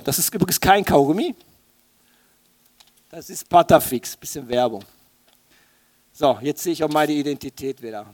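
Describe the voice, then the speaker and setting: A man's voice: fairly high pitch, a little mellow. A man preaching a sermon in an informal, colloquial way, animatedly speaking straight to his listeners. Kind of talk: sermon in informal youth language.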